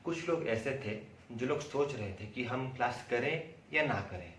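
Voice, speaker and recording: An Indian man giving a prepared testimonial in a deliberate, emphatic way, with pauses and repeated words. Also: medium pitch, lively intonation, a bit bright. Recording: roomy echo, distant mic, faint noise.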